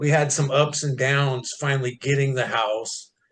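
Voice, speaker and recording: Speaking at a fairly slow pace, a man uses a somewhat breathy voice of medium pitch. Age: 60s. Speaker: homeowner guest on real estate show. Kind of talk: casual radio interview.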